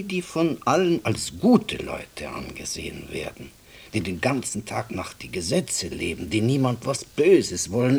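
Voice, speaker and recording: A wry Jewish handyman from the East in a radio drama. His voice is very husky and breathy, leaping up and down as he explains. He speaks colloquial with a tinge, humble yet insistent. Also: medium pitch, a little mellow, full character voice. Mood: earnest, explaining. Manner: colloquial, hesitant, emphatic storytelling. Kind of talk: radio play dialogue.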